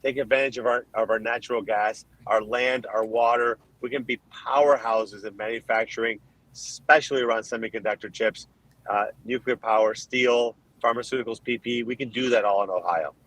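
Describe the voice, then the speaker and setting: A man from Colombia answering podcast questions as a candidate, firing off his points in emphatic lists. His voice sits at an ordinary middle pitch, and the sound is close and dry with no room echo. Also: fairly even intonation, a little fast, a bit bright. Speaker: Senate candidate, guest.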